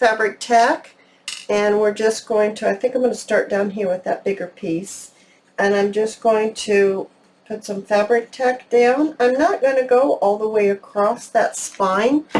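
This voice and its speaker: A woman speaks with a normal speaking voice and a fairly high pitch. Her pace is fairly slow. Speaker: craft video host. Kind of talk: tutorial. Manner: casual, thinking aloud.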